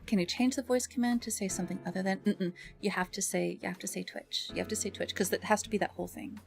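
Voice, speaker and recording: A woman livestreamer chatting casually with viewers in a bubbly, expressive and affectionate way. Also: medium pitch, fast talker, creaky. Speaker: live streamer and ASMR content creator. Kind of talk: casual livestream chat with viewers, greeting them and reading messages. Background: background music.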